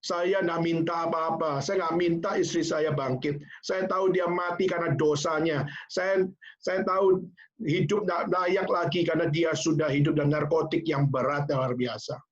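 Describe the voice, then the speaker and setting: A man's voice: fairly high pitch, steady tone, moderate pace, muffled recording, close to an everyday voice. A man doing a tearful, ruined gambler begging for mercy. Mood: grateful. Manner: pleading, tearful prayer. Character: desperate ruined male gambler, tearful penitent husband.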